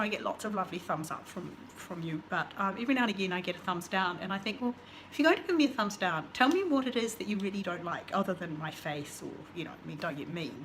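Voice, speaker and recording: A woman with a croaky voice, chatting enthusiastically as a vlog host. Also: medium pitch, slight background noise. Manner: chatty, enthusiastic about plants. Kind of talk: casual vlog narration.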